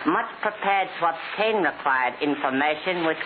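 A man's voice: on the high side, lively intonation, normal speed, natural voice. Hissy old-radio mock-humble Chinese gunman, played by a man. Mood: politely menacing. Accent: put-on Chinese. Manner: formal, flowery, mock-humble, clipped broken English. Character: menacing, mock-humble Chinese gunman with ornately polite speech. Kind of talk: 1940s radio crime drama acting. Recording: hissy, narrow-band 1940s radio recording.

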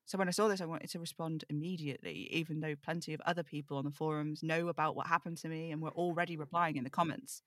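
A woman's voice: deep voice, steady tone, fast talker, hardly any pauses, no echo, clean studio sound, close to an everyday voice. A woman playing a snarky, weary supernatural radio host in an audio drama, wry and brooding in manner. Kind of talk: audio drama table read.

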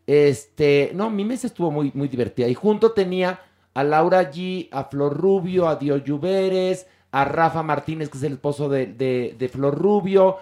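A man's voice: a little high, normal speed, darkish tone. A man co-hosting a podcast, retelling gossip with teasing and laughter. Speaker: podcast co-host. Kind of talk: joking gossip chat.

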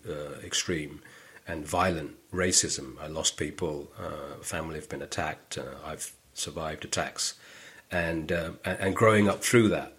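A middle-aged stand-up comedian from northwest London with a London accent, chatting on a podcast in a lively storytelling way. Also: male voice, low-pitched, slightly rough. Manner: animated storytelling, acts out quoted voices. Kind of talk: casual podcast conversation.

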